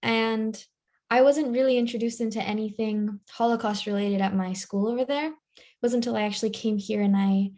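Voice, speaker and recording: A woman's voice: a little high, steady tone, moderate pace, warm tone. A teenage girl from Ecuador, a student on a panel, answering in an earnest, reflective way.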